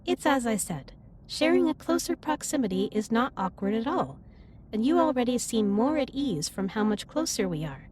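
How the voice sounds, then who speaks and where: A woman playing a caring alien starship captain in a sci-fi audio drama, speaking formally and in measured phrases with gentle reassurance. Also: a little high, sing-song, slight background noise. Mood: calm, caring. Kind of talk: scripted roleplay audio drama, intimate comforting monologue. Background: ambient music.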